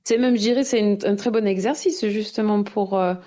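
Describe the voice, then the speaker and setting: A woman's voice: medium pitch, brisk, warm tone. A woman interviewer asking long, thoughtful questions and rephrasing as she goes.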